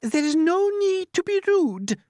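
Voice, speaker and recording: A woman's voice: very high voice, lively intonation, takes it slowly, no echo, studio quality, voice pushed up, heavily acted. A woman voicing a prim female glowworm in a storybook, cool and mannered. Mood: cold. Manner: cold, then sweetly polite. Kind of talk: storybook reading.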